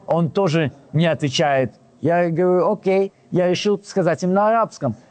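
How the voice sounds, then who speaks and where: Telling a casual story from his own life at a normal speed, a high-voiced man performs the dialogue in an animated way. He frequently restarts and corrects himself.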